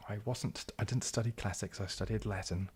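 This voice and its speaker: Soft-spoken New man, low and husky. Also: fairly even intonation, a little fast. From New Zealand. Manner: soft-spoken, drifting into whispers, frequent restarts. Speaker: ASMR livestream host. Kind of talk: casual livestream Q&A, soft-spoken.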